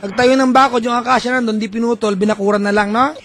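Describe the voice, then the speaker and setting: High-voiced teasing male radio host. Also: fast, crowd noise. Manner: playful, teasing, animated. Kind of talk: late-night radio talk.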